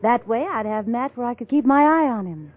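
Wary club singer, fairly high voice, evasive, hesitant, tinny 1940s radio sound. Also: female voice, animated, brisk. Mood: guarded. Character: guarded, wary nightclub singer.

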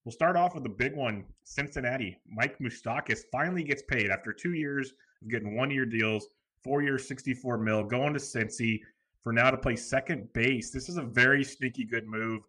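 A man co-hosts a casual podcast in a loose, relaxed way. He banters easily and laughs often. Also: mid-range voice, normal speed. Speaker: podcast co-host.

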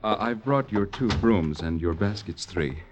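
A man's voice: lowish voice, expressive, measured pace. An actor playing a shy, uneasy young gypsy tradesman in an old-time radio drama, hesitant and polite in short replies. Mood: awkward. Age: young adult. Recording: muffled, hissy vintage radio recording.

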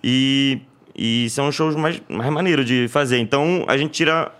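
A man, a stand-up comedian chatting casually on a podcast, relaxed and swearing freely. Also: mid-range voice, moderate pace, clear, resonant tone.

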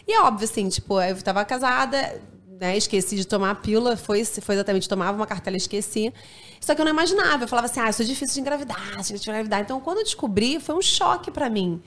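A woman's voice: fairly high pitch, racing. A Brazilian woman hosting a podcast, chatting casually and acting out the lines of people in her stories. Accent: Brazilian Portuguese. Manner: animated storyteller, acts out quoted lines. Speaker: podcast host. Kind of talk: casual chat.

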